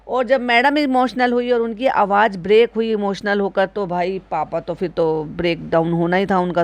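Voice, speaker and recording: Critical woman reacting, high voice. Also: dry recording. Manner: critical, animated, rhetorical questions. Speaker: reaction commentator. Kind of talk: casual reaction commentary.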